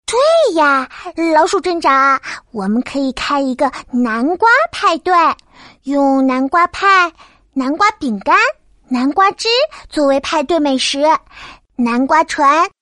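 A woman voicing a clever, lively little frog in a children's audio story. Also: high voice, slow pace, dry recording, studio quality, exaggerated voice. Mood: excited.

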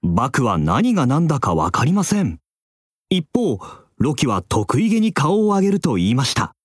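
A man narrating a children's story in a scripted, expressive way, with playful sound words. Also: medium pitch, normal speed, breathy edge, no echo, clean studio sound.

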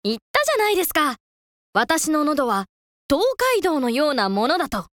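A woman voicing a clever, cheeky young boy monk who speaks politely and with quick wit in a children's folk tale. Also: high voice, sing-song, a bit bright, no room sound. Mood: sly. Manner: polite, quick-witted, cheerful.

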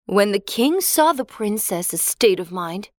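Reading a children's fairy tale, a woman uses an expressive, clear storybook style and a middle pitch. She is unhurried, and the close, dry recording carries no echo.

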